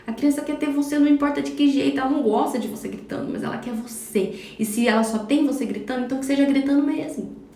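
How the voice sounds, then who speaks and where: A woman's voice: high-pitched, fast, dark tone, echoey room. A woman with a Brazilian Portuguese accent, a parenting educator giving a live talk from home, explaining and checking in with viewers. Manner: explanatory, addresses viewers directly, frequent "tá?" check-ins. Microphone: phone for a social media live.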